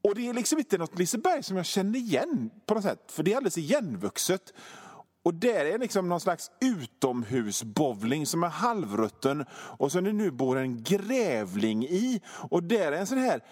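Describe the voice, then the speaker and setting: A man hosting a radio show, telling a rambling absurd comic story in a deadpan way, with mild swearing. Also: high voice, long reverb tail. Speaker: radio host.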